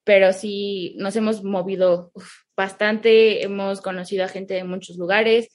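Casting: woman, Texas-raised, mid-range pitch, conversational interviewee who explains things through little quoted stories. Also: little pitch movement, a little slow. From grew up in McAllen, Texas, United States, with Mexican parents. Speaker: interview guest, online English teacher.

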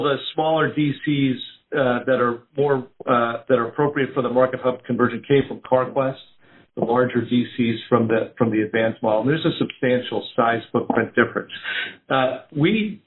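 A man speaking as a company executive on an earnings call, explaining unscripted business answers in a measured way with repeated phrases. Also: medium pitch. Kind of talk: answering analyst questions, unscripted business talk. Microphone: conference call line. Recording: narrow tinny phone-line sound.

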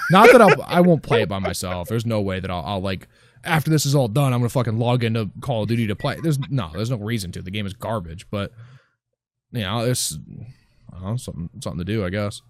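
A man's voice: fairly low pitch, animated, fairly quick. A man co-hosting a casual gaming chat, rambling and grumbling with plenty of swearing. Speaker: podcast co-host.

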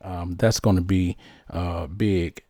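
A man's voice: low-pitched, fairly even intonation, slow pace, mellow, no echo, clean studio sound. A man hosting a show, reading viewer questions and chatting in an upbeat, casual way with frequent restarts. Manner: upbeat, many restarts and fillers. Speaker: host.

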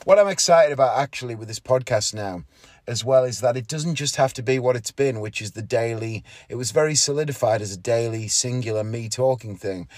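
A man's voice: medium pitch, fairly quick, darkish tone, dry recording. A man, talking casually and candidly on his solo podcast from inside a parked car, often correcting himself. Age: 30s. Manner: rambling, candid, self-correcting. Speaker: podcast host, magician.

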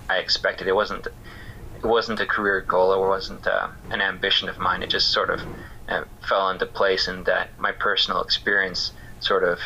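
A man talking as an interview guest about his work, thoughtful and halting with many fillers. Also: low voice, pushed and bright, slight background noise, rough recording. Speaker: interview guest, missions care worker. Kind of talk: casual reflective interview talk.

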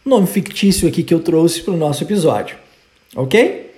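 An English teacher with a Brazilian Portuguese accent, patiently explaining pronunciation and drilling short phrases slowly and repeatedly in a language lesson podcast. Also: mid-range voice, expressive, mellow.

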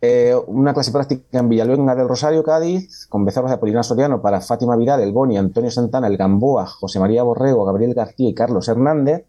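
Mellow-voiced man reading out an agenda. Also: medium pitch, fast talker, few pauses, muffled recording. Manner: lists names steadily with hesitations. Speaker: bullfighting agenda presenter. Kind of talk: reading out an event agenda on a talk show.

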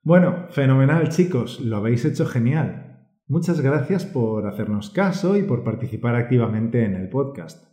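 A man co-hosting a language-learning podcast, speaking and reading aloud in a measured, encouraging teacher's way. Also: mid-range voice, dark tone, echoey room. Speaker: podcast co-host.

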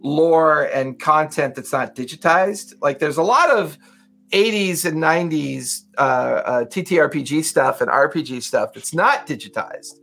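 Fifty-something guy rambling about old times, gravelly voice, a bit high, faint music behind. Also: animated, unhurried, a bit bright. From Southern California. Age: 50s. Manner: rambling, reflective, many fillers. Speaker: podcast co-host. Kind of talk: casual chat.

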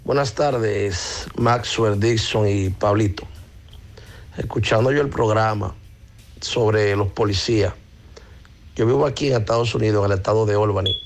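A man from the Dominican Republic leaving a message for a radio show, calmly explaining his view on police. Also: on the low side, normal speed, slight background noise. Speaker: caller.

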